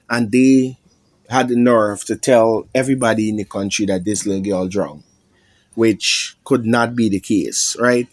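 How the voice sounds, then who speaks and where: A man with a Guyanese accent, hosting his own channel from home, speaking in a heavy, halting way with many pauses and fillers. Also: medium pitch, a little mellow, no echo. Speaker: MMA prediction channel host. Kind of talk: somber direct-to-camera talk. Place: at home indoors.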